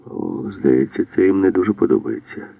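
A man's voice: low-pitched, very animated, moderate pace, gravelly, no room sound, voice pushed up, exaggerated voice. A man voicing a jittery joking commando. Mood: wry worried. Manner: grumbling, joking complaints. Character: jittery wisecracking male commando, scared of dogs. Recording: dry, phone-like narrow band.

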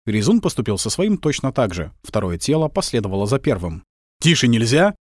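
Мужчина читает аудиокнигу, рассказывая выразительно. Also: male voice, lowish voice, brisk, no echo, studio quality. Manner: expressive storytelling. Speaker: audiobook narrator. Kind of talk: audiobook narration.

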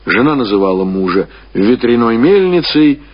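A man reading classic fiction as a narrator, in measured, expressive storytelling with deliberate pauses. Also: mid-range voice, slightly rough. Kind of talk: scripted literary narration. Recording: dull, lo-fi radio-style recording.

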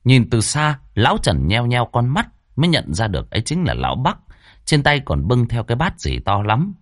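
A man narrating a ghost story with expressive, rhythmic delivery. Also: medium pitch, moderate pace, no room sound, studio quality.

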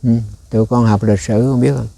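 A man's voice: medium pitch, fairly even intonation, a little fast, vocal fry, dark tone, no echo. A man giving a rambling, conversational dharma talk as a Buddhist monk, often turning to quiz his listeners.

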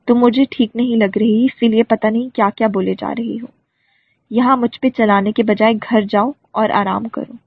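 A cold male politician brushes off complaints with curt, stern lines, as a woman reader voices him. The voice is husky and gravelly. It comes over a dry, phone-like audiobook recording. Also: a little high, steady tone, no echo. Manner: curt and dismissive.

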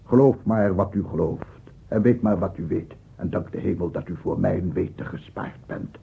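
Husky, tormented madman in radio drama. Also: low-pitched, moderate pace, heavily acted. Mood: haunted, brooding. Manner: intense, swinging from whispers to cries. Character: tormented, obsessive madman addressing imagined gentlemen. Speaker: radio play actor. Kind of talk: theatrical Dutch radio drama monologue. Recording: tinny, band-limited old radio recording.

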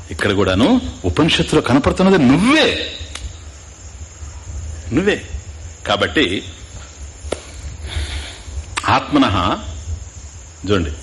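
A man's voice: medium pitch, a bit bright. A man giving a spiritual discourse as a Vedanta teacher, often quizzing his listeners and dropping in English asides.

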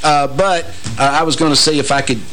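A man, hosting a radio interview in a teasing, joking way with halting restarts. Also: fairly high pitch, steady tone, sharp tone. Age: 40s. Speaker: radio show host. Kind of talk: casual interview chat.

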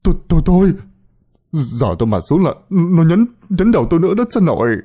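A frightened fisherman, played by a male narrator, pitched high and very animated. He whimpers and complains in panic, in a horror story. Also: fairly quick, husky. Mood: whining, fearful. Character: terrified, whining fisherman fleeing a ghost.

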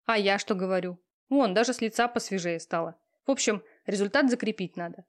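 A woman voicing a pushy, talkative young female friend who teases and lectures loudly. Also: medium pitch, brisk, natural voice. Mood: bossy. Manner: loud, teasing, talkative.

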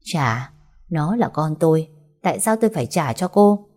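A woman reading a story voices a bitter young father who speaks coldly in slow, clipped words. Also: sits low, lively intonation, darkish tone, faint music behind. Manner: cold, clipped, slow deliberate delivery. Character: cold bitter young father, curt and resentful.

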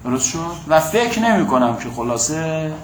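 A man's voice: fairly high pitch, sing-song. A man teaching a class on Quranic exegesis and Arabic grammar, explaining step by step and often checking whether the students have followed. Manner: explanatory, asks the class "got it?". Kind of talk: classroom lecture. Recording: echoey room, faint hum.

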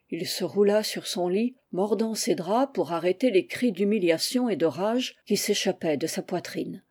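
A woman reading a classic novel aloud as an audiobook, voicing every character herself and naming each speaker in a softer voice. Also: husky. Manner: reads all characters, announcing each speaker name in a lower, softer voice. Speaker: audiobook reader.

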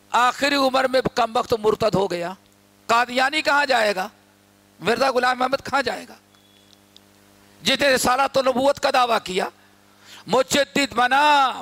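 High, bright-voiced male preacher. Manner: animated storytelling, acts out quoted voices. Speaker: Islamic scholar. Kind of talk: sermon.

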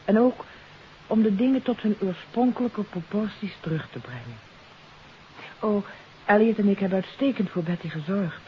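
An actress playing a troubled countess in a 1950s radio mystery, confessing earnestly and hesitantly. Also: female voice, medium pitch, animated, moderate pace, close to an everyday voice. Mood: regretful, reflective. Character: troubled countess confessing her part in a kidnapping. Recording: hissy, dull 1950s radio recording.

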